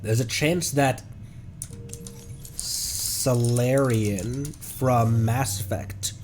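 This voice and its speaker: A young man streaming a game in casual chat, congested and stuffed up, rambling with many ums and breaking into sudden excited outbursts. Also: medium pitch, extremely slow, faint music behind.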